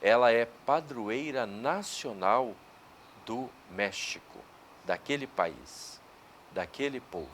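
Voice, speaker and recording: A man with a Brazilian Portuguese accent, a priest reading the gospel and giving a homily in a slow, measured liturgical way. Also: mid-range voice, expressive, fairly bright tone, slight background noise.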